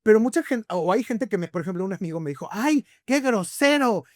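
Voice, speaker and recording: A man with a Mexican accent, a podcast guest, telling stories in a lively conversational way, full of rhetorical questions. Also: sits high, rapid-fire, dry recording, clean studio sound. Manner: animated storyteller, rhetorical questions, frequent tag "¿no?".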